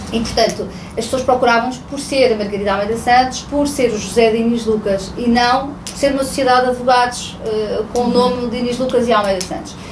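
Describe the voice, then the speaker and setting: A woman speaks at a fairly quick pace in a high voice. Noticeable background noise and audible room echo surround her. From Portugal, Coimbra. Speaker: lawyer. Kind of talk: interview. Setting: office. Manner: fast; energetic.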